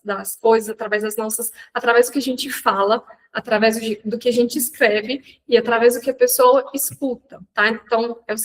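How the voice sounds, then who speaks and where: A Brazilian Portuguese-speaking woman mentoring an audience in a live online talk, chatty and animated, often restarting her sentences. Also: a little high, low-quality recording.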